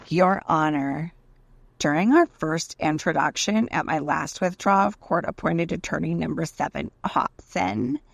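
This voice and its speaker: Woman playing indignant desperate female defendant, dramatic letter reading, emphatic, slow pace, close dry sound. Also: lowish voice, vocal fry, dry recording, heavily acted. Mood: formal, aggrieved. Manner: indignant, emphatic, deliberate list-like delivery. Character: aggrieved, desperate female defendant pleading her case in writing.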